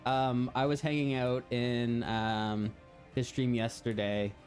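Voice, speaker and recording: An easygoing man hosting a live stream, his voice at a middle pitch. He chats loosely with fillers and laughs often, with faint music in the background. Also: little pitch movement, slow pace. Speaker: stream host. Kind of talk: casual chat.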